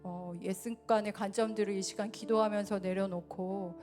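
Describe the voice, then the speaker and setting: A woman delivers a church sermon in an earnest voice that swells louder and then drops low. Soft instrumental music plays faintly behind her. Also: steady tone, moderate pace. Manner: earnest, rises and falls in loudness. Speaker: preacher. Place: church sanctuary.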